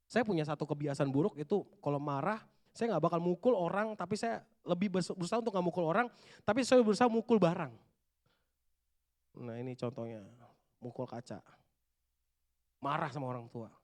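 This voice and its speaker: Animated youth pastor preaching. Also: male voice, fairly high pitch, a little fast, long pauses. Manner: animated, shifts from hushed asides to shouted bursts. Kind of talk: lively youth sermon in casual slang. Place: church hall.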